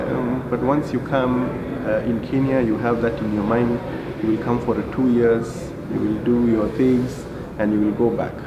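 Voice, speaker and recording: A man from India in his forties answers interview questions as a hotel group manager, pausing often on fillers and restarting his sentences. His voice sits in a middle range. The recording is echoey, with loud ambience running underneath. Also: medium pitch, level tone, highs cut off, heavy background noise. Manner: halting, many fillers and restarts.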